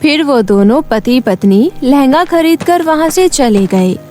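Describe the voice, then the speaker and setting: A woman's voice: high-pitched, expressive, measured pace, mellow. A woman reading scripted narration for a cartoon moral tale, in a storyteller's style. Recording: music behind the voice.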